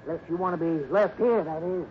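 An actor playing a crusty old hobo with a folksy rural American accent in a 1950s radio drama. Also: male voice, fairly high pitch, natural voice. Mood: gruff, impatient. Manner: folksy, scolding, drawn-out sighs and exclamations. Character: crusty old hobo, gruff outside, kindly underneath. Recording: muffled, noisy 1950s radio recording.

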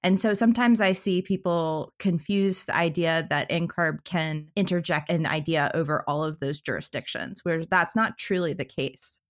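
Lower-voiced woman hosting an interview. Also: normal speed, few pauses. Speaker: podcast co-host.

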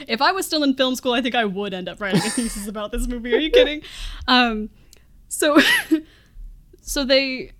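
A woman's voice: a little high, sing-song, a little slow, pauses often, a crowd in the background. A woman co-hosting a podcast, casually recapping a film as a giggly, wry storyteller with mock-dramatic asides. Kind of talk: casual comedic movie recap chat.

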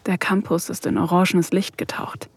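A woman's voice: on the low side, little pitch movement, moderate pace, a little mellow, slightly rough. A woman voicing a shy, flustered young woman researcher, narrating her thoughts hesitantly and in half-whispers in an intimate audio drama.

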